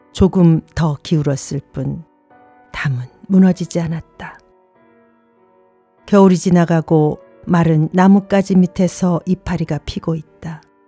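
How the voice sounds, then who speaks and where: Music in the background behind a woman's fairly low pitch, fairly even intonation and very slow pace, with long, frequent pauses and a dry, close sound with no echo. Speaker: poetry reciter. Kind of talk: poetry reading.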